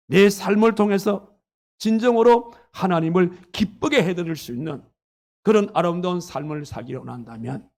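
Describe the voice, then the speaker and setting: A man's voice: sits high, creaky. A man preaching as a pastor, earnestly retelling a story with its quoted dialogue. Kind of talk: sermon. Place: church sanctuary.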